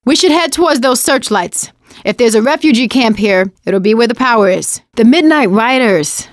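An actress playing a sassy, wisecracking young woman surviving a zombie apocalypse in a video game, sardonic and expressive. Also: on the high side, moderate pace, dry recording, clean studio sound, close to an everyday voice. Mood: focused, wry. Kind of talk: video game combat barks and quips.

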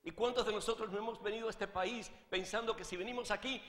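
A man preaching as a Catholic priest, swinging from hushed asides to shouted fervor. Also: sits high, steady tone, fast talker, echoey room, in a large hall. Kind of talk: sermon with a joke.

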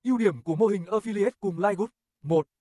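A man's voice: high voice, fairly quick, warm tone. A man reading scripted promotional narration as an advertisement narrator.

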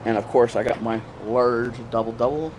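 A man's voice: medium pitch, fairly even intonation, moderate pace, noisy background. Chatty man with a cold. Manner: rambling, chatty, many fillers. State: congested with a cold. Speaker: vlogger. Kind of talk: casual vlog talk to camera. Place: bedroom, outdoors on streets, in a store. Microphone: handheld action camera at arm's length.

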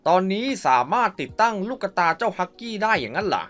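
A man's voice: sits high, very animated, fast, a bit bright. A man giving playful mobile game commentary, full of exclamations and mouthed sound effects. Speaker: mobile game YouTuber and host.

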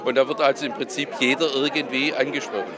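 A man's voice: medium pitch, fairly even intonation, fast talker. Older man in crowded hall. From Stuttgart, Germany. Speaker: association president. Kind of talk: formal interview answers. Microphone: handheld interview mic. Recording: busy hall crowd behind.

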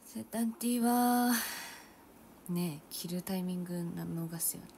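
A young woman idol chatting casually on a livestream, answering viewer comments in a soft, often half-whispered, self-mocking way. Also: medium pitch, unhurried, slight background noise. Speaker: idol streamer.

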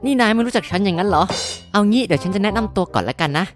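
A woman voicing a calm, commanding young male gang leader in a game cartoon. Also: very fast, faint music behind, lightly acted. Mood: cool. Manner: low, laid-back, commanding.

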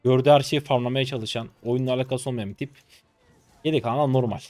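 Excitable young male game streamer. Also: medium pitch, fast. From Turkey. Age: 20s. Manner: excitable, swears casually, talks to viewers. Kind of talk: live gameplay commentary.

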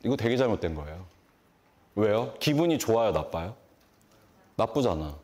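A man giving a motivational lecture on stage, throwing rhetorical questions at the audience and answering them himself. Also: normal speed. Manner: lively, swooping delivery with sudden pitch jumps. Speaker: hairdressing instructor and brand owner. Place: large conference stage before an audience.

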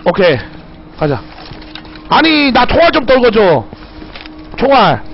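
A frantic male game streamer with a very high, strained voice who shouts and swears as he plays, slowing down to draw out his words between outbursts. The stream audio is muffled, with game music playing loudly behind him. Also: big pitch swings, vocal fry. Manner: loud, frantic, yelling and swearing at teammates. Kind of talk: live gameplay commentary.

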